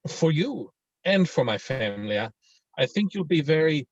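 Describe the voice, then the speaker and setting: Man playing friendly young guy, hesitant, earnest, lightish higher pitch, film script read, dry dull lo-fi audio. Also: sing-song, moderate pace, no room sound. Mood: earnest, sympathetic. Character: friendly, mock-menacing young Swedish man, earnest and sensitive. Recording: dull, lo-fi video-call audio.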